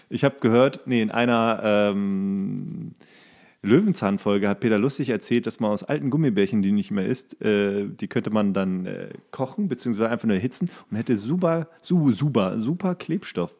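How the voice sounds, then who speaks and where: A man's voice: fairly low pitch, normal speed, a little mellow. A man chatting casually as a podcast co-host, teasing and joking as he rambles along. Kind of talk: casual comedic chat.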